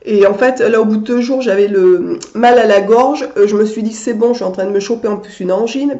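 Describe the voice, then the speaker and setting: A woman's voice: medium pitch, dark tone. Stuffy-nosed woman chatting in an echoey room. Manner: chatty, many fillers and restarts. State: stuffy nose from a cold. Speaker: vlogger. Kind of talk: casual chat to camera. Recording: echoey room, dull lo-fi sound.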